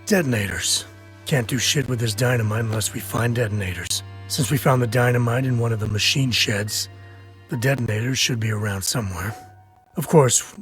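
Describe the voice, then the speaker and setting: A man's voice: medium pitch, lightly acted. Guy doing a nasty sneering convict boss, video game villain, taunting, bit of music behind. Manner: taunting, deliberate, threatening. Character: menacing convict gang boss, sneering and cruel. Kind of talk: video game cutscene acting.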